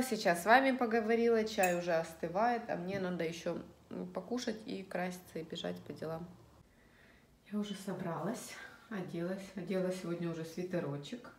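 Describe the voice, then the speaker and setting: A middle-aged woman talks to her viewers in a casual, rambling way, as a vlogger would over a meal at home. Her voice sits at an average female pitch. The room adds a clear echo around her. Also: a little mellow, a little hiss or hum. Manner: rambling, chatty, telling everyday stories. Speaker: lifestyle vlogger. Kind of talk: casual chat to viewers while eating. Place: indoors at home in an echoey room. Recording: roomy, echoing indoor sound.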